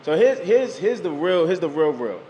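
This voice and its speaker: A man's voice: on the high side, very animated, moderate pace, dark tone, slight background noise, rough recording. A man in a casual group debate, insistent and repeating his phrases for emphasis.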